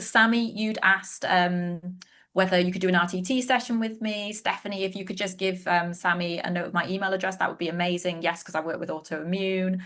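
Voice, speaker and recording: A woman's voice: fairly low pitch, a bit bright. Effusive woman hosting a webinar. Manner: friendly, effusive and chatty. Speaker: webinar host and practitioner.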